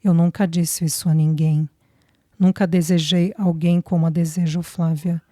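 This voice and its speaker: A woman reading the lines of a tender young man in love, in a soft, earnest, reassuring way. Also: on the low side, flat delivery, normal speed, no room sound, close to an everyday voice. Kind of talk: audiobook dialogue reading.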